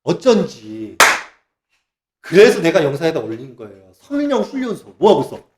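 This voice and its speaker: A man's voice: fairly high pitch, huge pitch swings, normal speed, a little mellow, slight background noise. A man giving a ranting religious monologue, sarcastic and mocking. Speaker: religious channel speaker.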